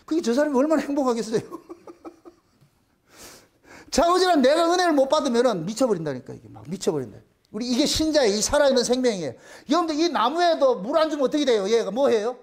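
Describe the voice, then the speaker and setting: Male pastor, high and very animated, hammering points home with repetition and rhetorical questions. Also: fairly quick. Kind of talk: sermon.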